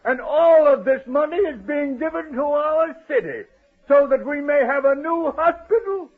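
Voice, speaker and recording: A man's voice: very high voice, animated, moderate pace. A man acting a proud small-town mayor making a grand, declamatory speech in a 1940s radio dramatization. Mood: proud, announcing. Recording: muffled vintage 1940s radio recording.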